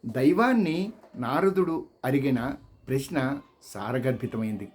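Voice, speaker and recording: A man reading sacred Hindu tales as scripted narration, in a measured, expressive manner. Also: medium pitch, slightly rough. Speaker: audiobook reader.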